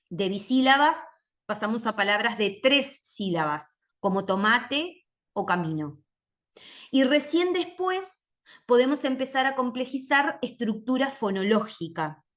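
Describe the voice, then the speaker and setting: Lady teacher explaining phonics, slow and careful, kinda high voice, stretches out sounds. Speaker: literacy teacher giving a training talk. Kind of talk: lecture with phonics demonstrations.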